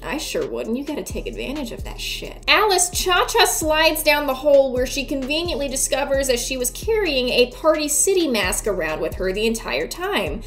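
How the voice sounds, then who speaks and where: A woman's voice: sits high, sing-song, normal speed, hardly any pauses, a bit bright. A woman in her twenties giving casual, wry and sardonic video commentary, with some casual swearing. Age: 20s. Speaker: YouTube video essayist. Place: small indoor room before a green screen. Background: background music.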